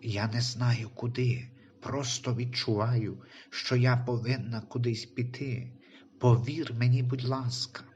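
A man's voice: mid-range voice, steady tone, a little slow, a little mellow, slight background noise, natural voice. Man doing a restless childless wife, urgent insistent voice, audio story, dull recording.

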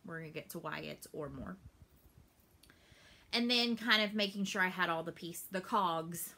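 Speaking at a moderate pace in a lowish, sharp voice with vocal fry, this woman in her late thirties vlogs about cross-stitch. She sits in a small room at home, casually rambling to the camera and gesturing while she talks about her hobby. The shot is upper-body, from a camera directly in front.

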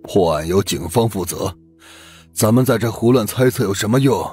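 A man's voice: fairly low pitch, moderate pace, a little mellow, husky, soft background music. A man playing a weary, bitter, henpecked older father in an audiobook drama, subdued and resigned.

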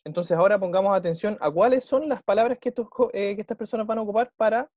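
A man's voice: high-pitched, quick pace, a little mellow, dry recording. A man with a Chilean Spanish accent, an English teacher who walks a class through a recorded dialogue and keeps checking in with short questions. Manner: patient, checks in with "¿ya?" and "¿cierto?" after every point.

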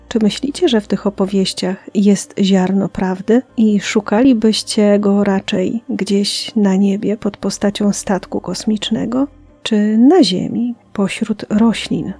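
A woman podcast host telling listener stories in a soft, half-whispered storytelling voice. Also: mid-range voice, gravelly, slightly rough. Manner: hushed, half-whispered delivery.

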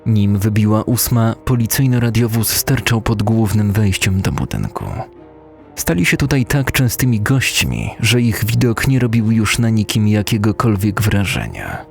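A man's voice: lowish voice, very animated, normal speed, creaky, darkish tone, soft background music. A man reading a scripted horror story as a narrator, close to a studio microphone. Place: recording studio.

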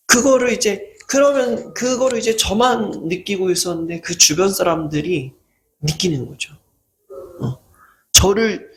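A man's voice: high-pitched, creaky, fairly bright tone, slight background noise. A man who hosts a channel, giving an earnest motivational talk and acting out people's mocking remarks as he goes. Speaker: lecturer and channel host.

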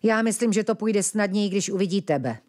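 A young male ferret cries out in a high, eager voice, as a woman reading a fairy tale plays him. His pitch leaps up and down with feeling. He pleads urgently. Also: lively intonation, close to an everyday voice. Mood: worried.

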